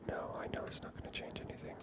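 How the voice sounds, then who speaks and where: A woman hosting an ASMR gaming series, giving casual, unscripted commentary in a breathy whisper. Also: fast talker.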